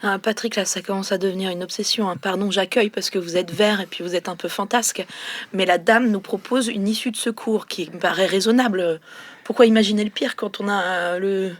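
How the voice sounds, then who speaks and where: Woman playing a sensible captive, medium pitch, polite, measured, gently exasperated, dry, improvised role-play. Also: fairly even intonation, no room sound, natural voice.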